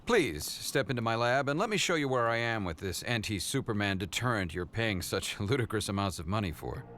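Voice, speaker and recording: A man's voice: on the low side, expressive, brisk, fairly bright tone, a little hiss or hum. A man voicing an arrogant, aloof genius scientist in a motion comic, smug, precise and condescending. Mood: brisk, smug.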